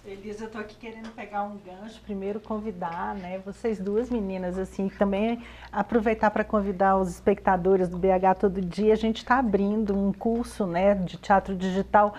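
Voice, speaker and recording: A woman's voice: mid-range voice, fairly even intonation, moderate pace, few pauses, darkish tone. A woman in her fifties who founded a digital theater project, speaking eagerly and inviting viewers, recorded in a TV studio on a lapel mic.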